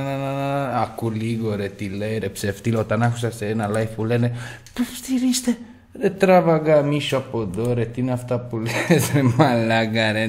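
A Greek man with a fairly low voice casually brags his way through slot machine spins, cursing freely and yelling at the reels.

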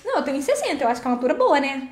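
A woman's voice: high voice, sing-song, very fast. A woman chatting casually on a live stream, reading the chat and teasing her viewers in a playful, chatty way. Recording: echoey room, faint music behind.

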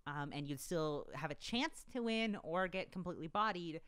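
A young adult woman co-hosting a podcast at home, talking in a rambling, animated way full of fillers, close to a desk mic. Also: on the low side, moderate pace, clear, resonant tone. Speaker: podcast co-host. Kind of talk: casual chat. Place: home studio room with bookshelves. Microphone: desk broadcast mic on boom arm.

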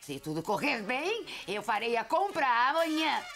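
Snooty gravelly brazilian cartoon landlady, scolding, really swoopy and sharp. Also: a little high, big pitch swings, moderate pace, faint music behind, heavily acted. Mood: haughty. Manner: haughty, scolding. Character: fed-up haughty cartoon landlady, grown woman. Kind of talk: animated comedy dub.

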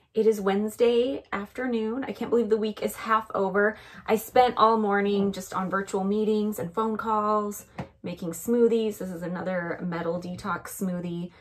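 A woman in her thirties with a raspy voice, chatting casually to camera in a week-in-the-life vlog, filled with "like" and "um". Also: mid-range voice. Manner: chatty, relaxed, frequent "like" and "um". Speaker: vlogger. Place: home rooms and outdoors at a cemetery.

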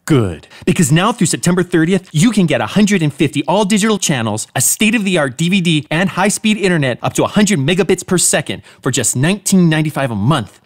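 A man's voice: a little high, expressive, a little fast, hardly any pauses. Young man reading polished commercial voice-over. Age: young adult. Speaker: voice actor. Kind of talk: scripted commercial and narration voice-over demo reel. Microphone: studio condenser microphone, close.

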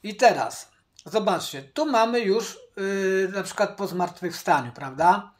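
A man teaching from the Bible, speaking deliberately, repeating his key points and addressing viewers directly. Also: sits high, expressive. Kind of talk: Bible study commentary.

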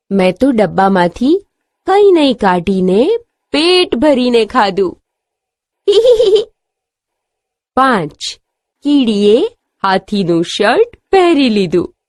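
A woman's voice: fairly high pitch, darkish tone, no room sound, studio quality. A woman teacher telling a story and leading a lesson for young children.

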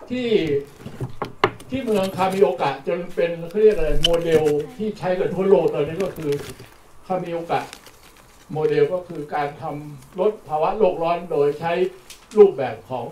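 A man's voice: fairly high pitch, moderate pace, dark tone. An older man giving a plain-spoken workshop lecture, repeating words for emphasis, recorded from a distance at an outdoor training session. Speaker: lecturer on charcoal. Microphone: distant mic. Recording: roomy and distant with faint noise.

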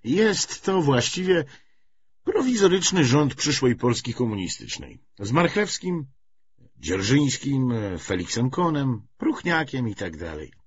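Male narrator as self-assured activist woman, wry, brisk manner, audiobook novel, animated intonation, slightly dull recording. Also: mid-range voice, slight background noise, voice pushed up. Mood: wry, eager. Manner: talkative, hesitant at moments, feigned lightness.

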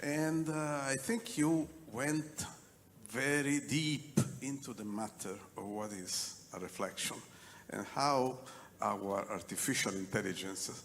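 A man giving an effusive, halting comment from the audience at a conference. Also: mid-range voice, fairly bright tone. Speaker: conference participant. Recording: reverberant hall with faint noise.

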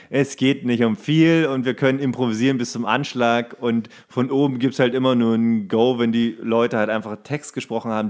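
Male podcast co-host, medium pitch, teasing and colloquial, comedic banter. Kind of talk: casual comedic podcast chat.

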